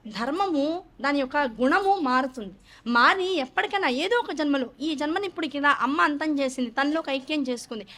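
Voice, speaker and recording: A woman giving a religious discourse on scripture, telling stories in a lively, conversational way. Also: high voice. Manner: animated, conversational storytelling with asides. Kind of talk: Hindu scripture discourse with storytelling.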